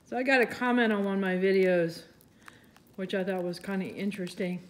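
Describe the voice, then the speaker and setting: A woman's voice: mid-range voice, steady tone, a little fast. A woman chatting casually as she demonstrates resin crafting at a table, thinking aloud and poking fun at herself, with a voice others call soothing. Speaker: resin artist, channel host. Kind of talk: casual crafting tutorial narration.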